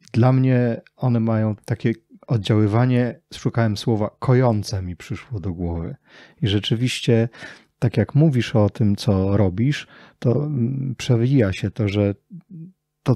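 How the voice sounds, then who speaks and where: A man's voice: on the low side, warm tone, no room sound, studio quality. A man hosting a podcast interview in a casual, conversational way.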